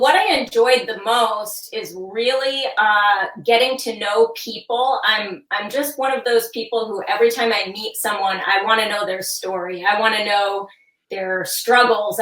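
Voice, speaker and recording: Hoarse bright-voiced woman in echoey room. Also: mid-range voice, fairly even intonation, measured pace, recorded from a distance. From Hudson Valley, New York. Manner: upbeat, storytelling. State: hoarse, groggy. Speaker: children's book author, guest. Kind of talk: chatty interview answers.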